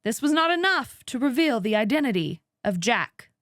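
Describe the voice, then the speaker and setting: A woman reading scripted narration as an audiobook narrator, in a measured, precisely enunciated way. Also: fairly high pitch, very animated, a bit bright, dry recording, clean studio sound.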